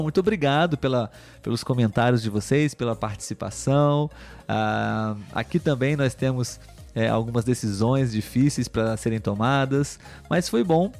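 His mid-range, darkish voice guides a live stream for people learning Portuguese. He goes through viewer comments in a patient, teacherly way, filling gaps with lots of tags, while faint music plays behind him.

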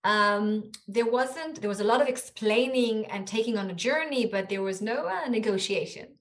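A woman's voice: on the high side, moderate pace. A woman whose first language is Hebrew, a guest author speaking earnestly and reflectively in a podcast interview, with frequent restarts.

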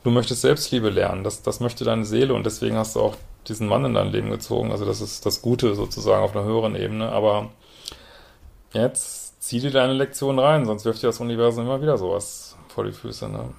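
A man's voice: lowish voice, fairly even intonation, fairly quick, creaky, darkish tone. A man hosting a podcast as a couples therapist, commenting bluntly and directly on a listener's letter and often ending with a questioning "ne?".

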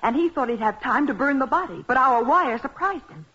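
An actress playing a spirited, loyal young American assistant to a detective in a 1940s radio drama, eager and expressive. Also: female voice, high-pitched, brisk, breathy edge, heavily acted. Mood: excited reasoning. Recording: muffled, dull vintage 1940s radio recording.

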